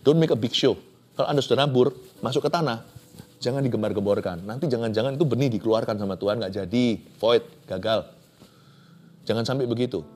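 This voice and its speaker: A man preaching a sermon, dramatic and emotional, swinging from loud cries down to near whispers, with English phrases mixed in. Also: fairly low pitch. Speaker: pastor.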